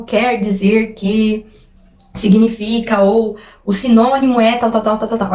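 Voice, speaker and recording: A woman gives a casual video lesson. Her voice sits a little high. She walks through each point, repeats it and poses questions to the viewer, and the room around her echoes. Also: darkish tone. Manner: explanatory, repeats key points, asks rhetorical questions. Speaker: teacher.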